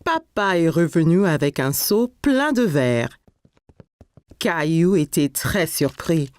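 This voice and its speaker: A woman's voice: sits low, big pitch swings, slow, a little mellow, dry recording. A woman narrator reading scripted story narration for a French children's cartoon.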